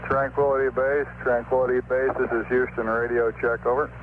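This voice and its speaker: An American man serving as a mission control radio communicator speaks in clipped, matter-of-fact military procedure over a crackly two-way radio. His voice is mid-range and level, and he talks fairly quickly. It's a noisy, narrow-band archival space radio recording.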